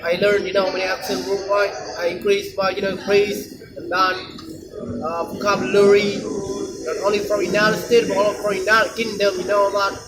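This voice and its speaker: A man from Indonesia with an Indonesian accent gives a rambling casual monologue in English, halting and repeating himself, often tagging phrases with "you know". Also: sits high, level tone, heavy background noise. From Indonesia, Aceh. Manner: halting, repetitive, frequent "you know" tags. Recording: loud music behind the voice.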